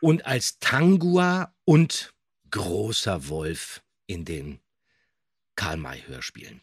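Lowish husky guy, podcast host, emphatic and keen, chatting about audio drama history, dry sound. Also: animated, drawn-out words, no echo. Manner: enthusiastic, emphatic. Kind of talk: conversational radio-drama history commentary.

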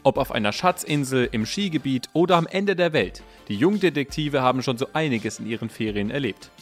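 Male narrator, medium pitch, measured scripted presentation, music underneath. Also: lively intonation. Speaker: narrator of an introduction segment. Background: soft music.

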